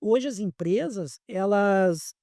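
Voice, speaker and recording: A man's voice: sits high, lively intonation, slow pace, dark tone, no echo, clean studio sound. A man, an airline pilot examiner explaining things patiently in a podcast interview and often repeating words as he searches for them.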